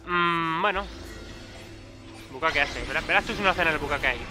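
Excitable high-voiced Spanish gamer. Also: male voice, moderate pace, over music. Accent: Peninsular Spanish. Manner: excitable, swearing, frequent loud outbursts. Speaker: gaming YouTuber. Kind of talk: live gameplay commentary.

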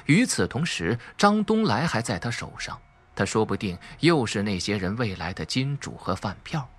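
Male suspense audiobook narrator: husky timbre, animated intonation, emphatic dramatic delivery. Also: fairly low pitch, normal speed.

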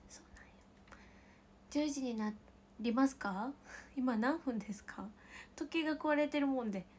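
Giggly high-voiced woman with Kansai accent. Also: measured pace, a little hiss or hum. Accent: Kansai Japanese. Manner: giggly, drops into soft whispered asides. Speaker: idol livestream host. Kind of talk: casual livestream chat with viewers.

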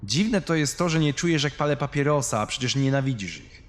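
A man's voice: medium pitch, animated, a little fast, in a large hall, pitched above the performer's own voice, natural voice. A man voicing a sardonic, smoking detective with a mocking, pointed way of talking in a horror story. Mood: mocking, insistent. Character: sardonic smoking male detective on a murder case. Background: music.

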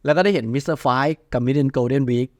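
A man hosting a movie news show in casual chat, blunt, slangy and excitable. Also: mid-range voice, a little fast, no echo, clean studio sound.

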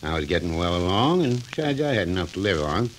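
An actor playing a kindly, folksy old country doctor in a 1940s radio drama, with a gentle, reminiscing manner. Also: male voice, low voice, sing-song, quick pace, rough recording. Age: older. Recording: old radio recording with faint hiss.

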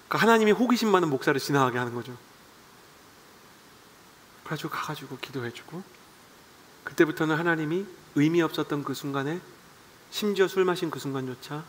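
Male pastor, sermon to young adults. High, bright voice, long hall reverb. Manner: storytelling, acting out quoted voices.

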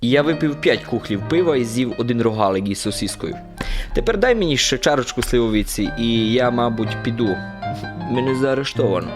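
An actor playing a good-natured, simple-minded soldier who rambles naively and confidently in a radio play. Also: male voice, mid-range voice, animated, brisk, lightly acted. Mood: unworried. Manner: rambling, naive tavern philosophizing with confident pronouncements. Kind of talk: radio play character acting. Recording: music under the voice.

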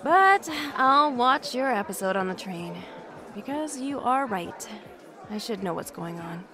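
A woman's voice: on the high side, sing-song, unhurried, crowd noise. A woman in her twenties playing a reserved, overworked young office worker in an audio drama, with music behind her. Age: 20s. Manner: reserved, defensive, a little awkward.

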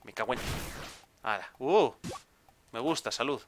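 Lively chatty man gaming. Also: medium pitch, unhurried, faint music behind. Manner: chatty, exclaiming, repeats words when stuck. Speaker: gameplay video host. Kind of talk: casual gameplay commentary.

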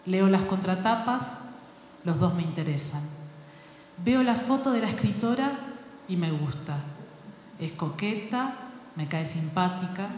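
A woman reads a literary essay to a panel audience. She takes her time and pauses on chosen words. The recording is very echoey, with a long hall reverb and faint background noise. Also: lowish voice, expressive, darkish tone. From Argentina. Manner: measured, literary delivery with deliberate pauses. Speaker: panelist, actress and playwright. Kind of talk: reading a prepared essay aloud. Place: large hall at a panel event.

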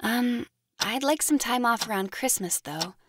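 An actress playing a subdued, polite young student clerk in an audio drama, talking hesitantly. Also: female voice, fairly high pitch, lively intonation, a little slow. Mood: awkward, polite. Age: young adult. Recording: noisy background with clicks.

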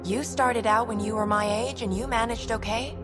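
A woman's voice: on the high side, fairly even intonation, normal speed, music in the background, close to an everyday voice. A woman voicing an eager, defiant young alien little sister in a video game, earnest and defensive. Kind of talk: dramatic video game acting.

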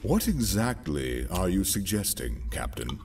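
Guarded, learned male imperial governor, played by an actor, slow, deep and formal, audio drama. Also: very animated, a little mellow, a little hiss or hum, heavily acted. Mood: defensive. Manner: formal, deliberate, clipped defensiveness.

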